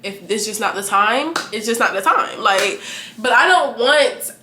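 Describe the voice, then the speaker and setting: Young woman in her 20s, vlogger, bright voice, animated and frank, echoey room. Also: a little high, a little slow, a little hiss or hum. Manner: animated, candid, laughing, profane. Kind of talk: casual chat to camera.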